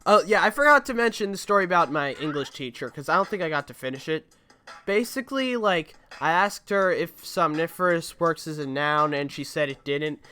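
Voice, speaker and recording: Brief: young male let's-play host, rambling chatter, bright and slightly high. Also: animated, a little fast, a little hiss or hum. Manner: rambling and chatty, reads game dialogue aloud. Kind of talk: casual gameplay commentary.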